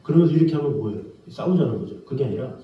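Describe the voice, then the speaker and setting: A middle-aged man preaching from the pulpit in a lively, rising and falling voice, throwing out rhetorical questions and playing out the people he quotes. He sounds far from the mic in a very echoey sanctuary, on a dull recording. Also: mid-range voice, very fast. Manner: acts out quoted scolding and gentle voices. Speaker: pastor. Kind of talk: sermon. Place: church sanctuary. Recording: roomy, distant, dull church recording.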